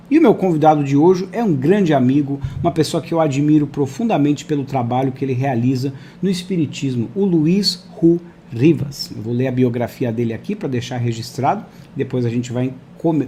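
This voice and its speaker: A man's voice: mid-range voice, dark tone, slight background noise. A man hosting a live online interview over a video call, chatty and friendly, talking to viewers and his guest. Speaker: host.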